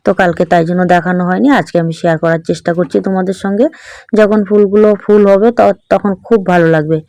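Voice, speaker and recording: A woman's voice: on the low side, a little mellow, no echo. A middle-aged woman with a Bangal Bengali accent, chatting through a casual home vlog and often checking in with her viewers. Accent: Bangal (East Bengal) Bengali. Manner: chatty, keeps checking in with tag questions. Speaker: vlogger.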